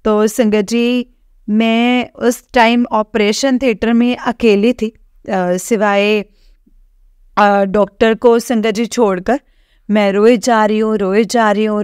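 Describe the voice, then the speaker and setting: A young woman from Jammu shares a personal testimony with a spiritual gathering. She speaks slowly in a smooth, clean voice, recorded close and dry. Her telling is halting, full of fillers and repeated phrases. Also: medium pitch, a little mellow, dry recording. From Jammu, India. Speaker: devotee sharing testimony.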